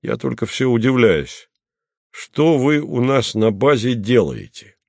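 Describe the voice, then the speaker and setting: A man's voice: mid-range voice, lively intonation, measured pace, gravelly, darkish tone, no echo, studio quality, voice pushed up. A man reading a patient, ironic base commander. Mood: matter-of-fact. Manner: patient, matter-of-fact, slightly ironic. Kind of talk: audiobook character reading.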